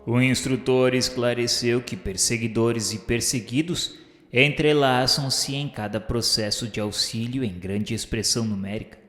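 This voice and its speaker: A man's voice: mid-range voice, unhurried, fairly bright tone. A man narrating a radio drama in the first person, formal and reverent in tone, also speaking his own lines to a mentor. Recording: roomy, reverberant hall sound with music.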